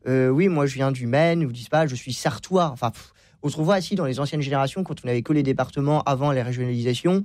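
A man's voice: mid-range voice, fast talker, a little mellow, no echo, clean studio sound. A man speaking as a guest historian in a radio debate. He talks hesitantly, with many restarts and fillers. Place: radio studio.

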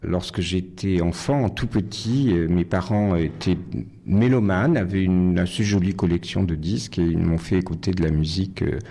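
A middle-aged man from Nice, a concert pianist, answering interview questions thoughtfully with many pauses and restarts. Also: low voice, warm tone. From Nice, France.

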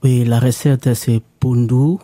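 A man's voice: medium pitch, fairly even intonation, slow, warm tone, no echo. A man from DR Congo, a Lingala speaker, speaking hesitantly with many fillers as a guest on a radio show. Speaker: guest, farm newcomer. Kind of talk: radio interview.

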